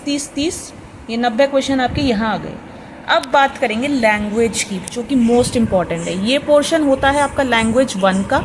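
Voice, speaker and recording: High-voiced woman explaining patiently, noisy recording. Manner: repeats points patiently, addresses viewers as friends. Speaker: exam prep teacher. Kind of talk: explanatory tutorial lesson.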